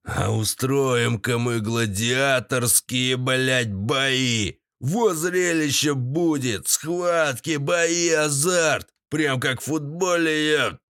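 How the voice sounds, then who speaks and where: A man's voice: medium pitch, expressive, slow pace, fairly bright tone, dry recording, clean studio sound. A man doing a drawling thug gang leader. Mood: menacing. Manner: drawling crude street slang. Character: shaven-headed brutal male gang leader, crude slangy thug.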